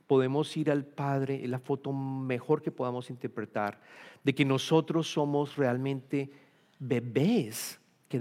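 A man preaching a sermon, emphatic and rising to loud peaks on key points. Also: mid-range voice. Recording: reverberant hall.

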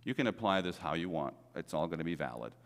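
Brief: middle-aged male pastor, earnest conversational preaching, low voice, long church reverb. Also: very animated, fast. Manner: earnest, conversational preaching with repeated words for emphasis. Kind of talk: sermon. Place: church sanctuary.

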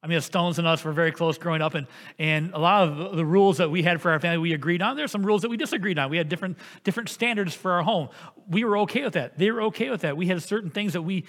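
A man's voice: high-pitched, racing. Earnest male pastor in echoing hall. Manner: storytelling, earnest and animated. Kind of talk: sermon.

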